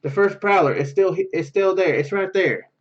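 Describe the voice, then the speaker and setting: A man with a somewhat high voice plays a story game on video. He reads the narration aloud with stumbles and casual asides. His sound is a bit dull and lo-fi. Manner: halting, stumbling over words while reading. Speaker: gaming YouTuber. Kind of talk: reading visual novel narration aloud with casual commentary.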